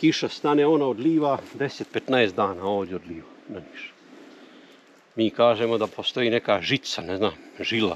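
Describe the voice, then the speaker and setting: Lively intonation from a man at a moderate pace, with big swings in loudness, a dry sound with no echo and light background noise. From Montenegro. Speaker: villager looking for water. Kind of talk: casual chat. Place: car. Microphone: phone near.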